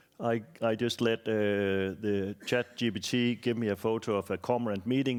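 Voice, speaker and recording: In a Danish accent, a man speaks at a fairly low pitch. His pitch variation is ordinary. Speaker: scientist. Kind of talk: conference presentation. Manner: fast.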